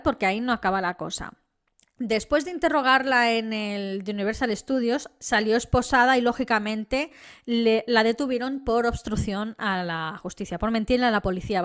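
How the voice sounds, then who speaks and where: A woman's voice: fairly high pitch, normal speed. A young woman with an accent from Spain, telling a true crime story in a casual, indignant way and talking straight to her viewers. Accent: Spain Spanish. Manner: indignant, chatty, addresses viewers directly.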